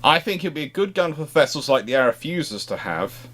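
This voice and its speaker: Halting man discussing naval hardware. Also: on the high side, very animated, a bit bright, slight background noise. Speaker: naval history expert answering questions. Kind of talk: discussion and commentary on naval history.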